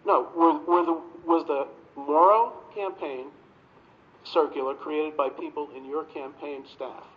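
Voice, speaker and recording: A man's voice: fairly high pitch, measured pace, a little hiss or hum. A man speaking at a town board meeting during public comment, pressing the members with pointed, insistent questions. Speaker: resident addressing a town board. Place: town hall meeting room. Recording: muffled lo-fi phone video.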